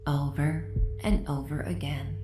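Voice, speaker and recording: A woman playing a mysterious, doting and possessive hypnotist caretaker in a soft, breathy, whisper-prone roleplay audio. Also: low voice, fairly even intonation. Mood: hypnotic, coaxing. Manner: slow, soothing, hypnotic, often dropping into whispers. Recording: echoing voice over ambient tones. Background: soft ambient music with humming tones.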